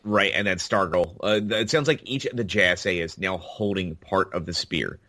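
A man's voice: low voice, moderate pace, sharp tone, no room sound, studio quality. A man co-hosting a podcast, chatting casually and enthusiastically about TV episodes, with lots of fillers. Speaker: podcast co-host. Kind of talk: casual TV review chat.

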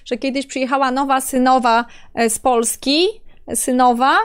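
A woman's voice: high voice, little pitch movement, moderate pace, clear, resonant tone. A woman interviewing a guest, chatty and given to laughing. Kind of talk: casual interview talk.

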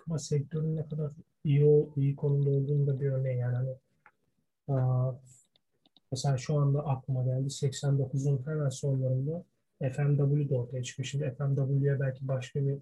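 In this casual wrestling history talk, a male podcast co-host speaks with a mellow, slightly rough, medium-pitched voice. He admits his Turkish is poor, frequently hunting for words and dropping in English ones.

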